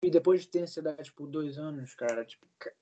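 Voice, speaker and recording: A man's voice: fairly high pitch, fairly quick, warm tone, highs cut off. A man in his early twenties telling stories in a casual interview, rambling with lots of fillers and swearing. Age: 20s. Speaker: guest, singer.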